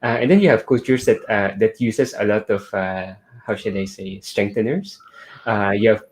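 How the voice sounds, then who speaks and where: A man's voice: lowish voice, moderate pace. A man, chatting casually in a discussion, full of "like" and "uh". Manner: chatty, lots of "like" and "uh" fillers. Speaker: panel guest.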